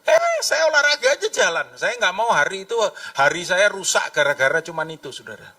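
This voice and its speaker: Lively pastor preaching from afar. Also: male voice, high voice, a little fast, far from the mic. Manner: lively, conversational, acts out voices in his stories. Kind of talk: sermon.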